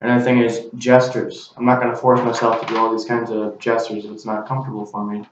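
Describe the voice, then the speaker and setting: Speaking quickly in a monotone, a young male student delivers a class speech to a camera in an earnest, plain manner. His voice is mid-range, with slight background noise. The camera mic yields a very echoey, distant, dull recording.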